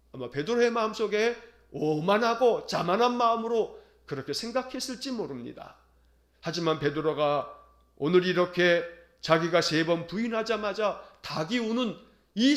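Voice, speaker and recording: High-voiced earnest Korean pastor. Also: male voice, fairly bright tone, reverberant. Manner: earnest, solemn preaching with slow, tender quoted lines. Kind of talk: sermon.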